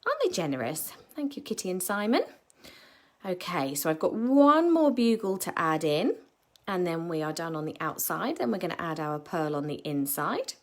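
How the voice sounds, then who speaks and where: A woman with a croaky voice teaching a live beading tutorial, chatty and full of ums and self-corrections, with a British English accent. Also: fairly low pitch, big pitch swings, normal speed.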